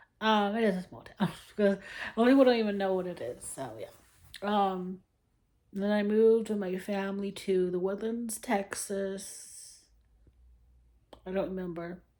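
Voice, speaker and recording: At a moderate pace, a woman with a dark, mellow tone and fairly even intonation leaves long, frequent pauses, her loudness swinging widely. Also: medium pitch for a woman. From California. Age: 30s. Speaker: vlogger. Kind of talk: casual monologue. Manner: rambling, hesitant with fillers.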